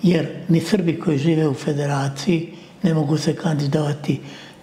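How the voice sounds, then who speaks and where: Audible room echo surrounds a voice with fairly even intonation at a moderate pace. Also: man. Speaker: interviewee. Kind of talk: interview answer. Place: office. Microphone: lapel.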